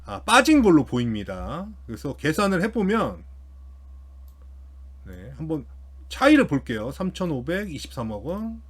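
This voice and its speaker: A man giving casual explanatory financial commentary as an online host, informally thinking aloud as he works through figures. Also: a little high. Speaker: YouTube host commenting on company earnings.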